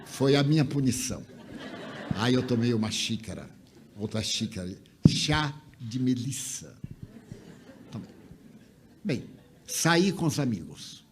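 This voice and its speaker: An older man, a religious speaker telling a personal story with lively swings in pitch and soft trailing line ends. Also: slow pace, pauses often, background noise. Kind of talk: storytelling talk.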